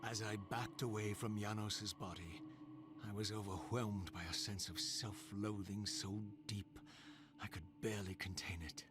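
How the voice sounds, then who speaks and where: An actor playing a vengeful, brooding undead male wraith, narrating a game cutscene in a grave, bitter, measured way. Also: fairly low pitch, fairly even intonation, natural voice. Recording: game cutscene with loud music. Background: music.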